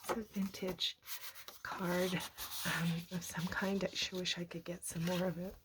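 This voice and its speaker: A middle-aged woman with a hoarse, croaky voice, casually showing handmade journals. She talks softly and often slips into a whisper. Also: on the low side, little pitch movement, unhurried, background noise. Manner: soft-spoken, often drops to a whisper. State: hoarse, recovering from a cough. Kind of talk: casual show-and-tell narration.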